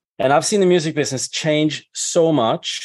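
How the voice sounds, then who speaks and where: The speaker is a man. His voice is fairly high in pitch. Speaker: workshop participant. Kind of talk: workshop Q&A.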